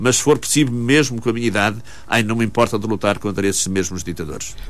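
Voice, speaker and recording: Over music in the background, a man talks at a very fast pace with a medium pitch and ordinary pitch variation. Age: 60s. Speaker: professional association president and former MP. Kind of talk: radio phone-in discussion. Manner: hesitant, repetitive.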